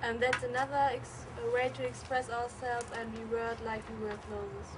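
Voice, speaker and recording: A cool, blunt young tribal girl, played by a teenage girl in a school skit, answering plainly. Her voice is slightly high and recorded from a distance. Background noise sits under it. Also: level tone, moderate pace, natural voice. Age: teens. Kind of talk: amateur school role-play. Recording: far mic with background noise.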